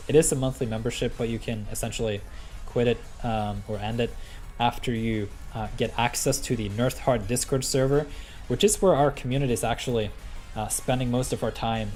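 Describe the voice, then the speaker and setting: A man's voice: mid-range voice, a little mellow. Easygoing Norwegian man streaming games. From Norway. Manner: easygoing, chatty, with frequent ums and laughs. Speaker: livestream host. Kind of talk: live game commentary and chat reading. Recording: faint music behind the voice.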